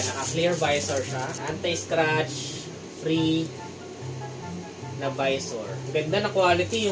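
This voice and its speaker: A Filipino man with a slightly high voice presents an unboxing in a casual vlog style. He is chatty and informal and slips English terms into his talk. Loud guitar music plays behind him throughout. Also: low-quality recording. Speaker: motorcycle vlogger and product reviewer. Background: prominent guitar music.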